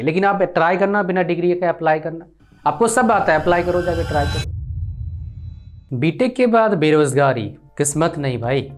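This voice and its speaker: A young Indian man, a career counsellor, speaking earnestly and directly to viewers in a lecturing advice talk. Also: a little high.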